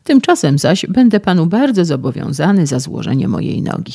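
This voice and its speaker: Man reading a young man, frantic and indignant, raised and gravelly, for an audiobook. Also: on the high side, very animated, brisk, no room sound, clean studio sound, exaggerated voice. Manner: shouting indignantly, complaining. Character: agitated young man, injured and frightened.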